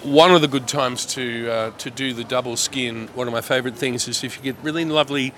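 A man's voice: medium pitch, steady tone, brisk, a bit bright, a little hiss or hum. A man hosting a casual radio chat, enthusiastic and teasing as he talks about food. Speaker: radio host.

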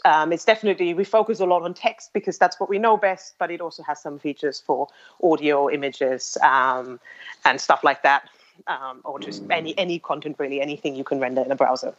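Woman guest, low voice, hesitant, lo-fi sound. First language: German. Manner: thoughtful, many ums and restarts, light laughs. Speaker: interview guest, language-tech developer. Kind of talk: casual explanatory interview talk. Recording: muffled lo-fi audio.

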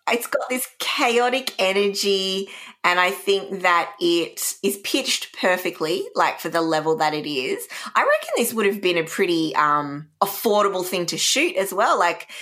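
A woman's voice: lowish voice, expressive, normal speed, fairly bright tone. A woman in casual review chat as a radio co-host, thinking aloud informally. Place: radio studio.

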